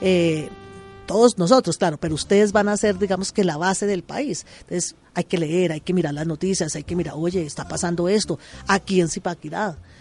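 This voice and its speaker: The voice shows ordinary pitch variation, heard over noticeable background noise. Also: woman, fairly low pitch for a woman, moderate pace. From Colombia, Cundinamarca (rural Cogua). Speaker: science teacher. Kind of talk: radio interview. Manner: halting, with frequent repetitions.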